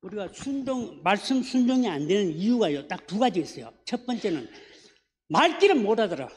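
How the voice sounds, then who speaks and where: A man's voice: high voice, expressive, fairly quick, a little mellow. A man with a Gyeongsang accent preaching a sermon as a pastor in a church, often asking the congregation questions. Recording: echoey church hall.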